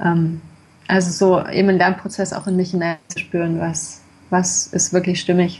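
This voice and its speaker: A woman with a fairly low pitch speaks at a fairly slow pace, her intonation monotone and flat. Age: 30s. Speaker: blogger and hypnobirthing coach. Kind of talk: interview. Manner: hesitant, many fillers.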